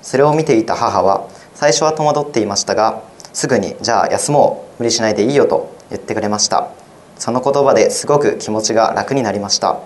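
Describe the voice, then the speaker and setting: A teenage high school boy reading his own essay aloud in a plain, even-paced way for a radio broadcast. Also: a little fast. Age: teens. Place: radio studio.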